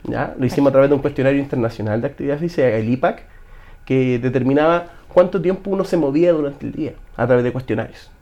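A man's voice: medium pitch, fast talker, dark tone, lo-fi sound. Chilean man telling a personal story. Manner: emotional storytelling, frequent restarts. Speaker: guest. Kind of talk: casual interview, personal story.

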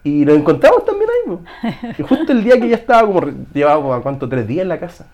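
A man's voice: sits high, wildly swooping pitch, very fast, darkish tone, dull audio. Chilean man telling a personal story. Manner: emotional storytelling, frequent restarts. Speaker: guest. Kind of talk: casual interview, personal story.

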